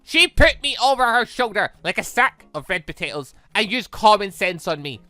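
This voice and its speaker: A host acts out an overtired young girl inventor from a visual novel, gushing and exasperated. The voice is bright and jumps around in pitch, boastful one moment and frayed the next. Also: very animated, moderate pace, no echo, soft background music. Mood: indignant. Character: frazzled, sleep-deprived excitable young girl inventor.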